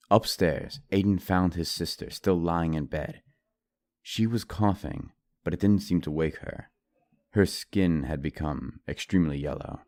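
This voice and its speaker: A man's voice: a bass voice, a little mellow. A man narrating a scripted horror audiobook in a dramatized, storytelling style. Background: music.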